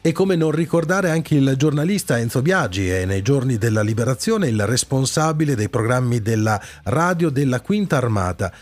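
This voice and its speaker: A man's voice: mid-range voice, expressive, moderate pace, hardly any pauses. A man hosting a radio show, reading scripted historical-style narration in the manner of a presenter. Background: background music.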